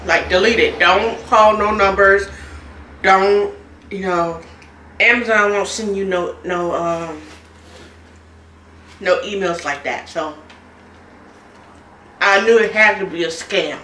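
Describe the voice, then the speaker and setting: A woman's voice: mid-range voice, slow, pauses often, bright, forceful tone, roomy sound, a little hiss or hum. A woman, chatting casually on her eating vlog and telling a story with frequent laughs. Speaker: mukbang vlogger. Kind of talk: casual chat while eating.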